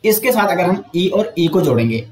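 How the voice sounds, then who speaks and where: A man teaching an exam coaching lesson, explaining step by step, asking and answering his own questions, and drawing out sounds slowly to show them. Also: high-pitched, big pitch swings, darkish tone, roomy sound.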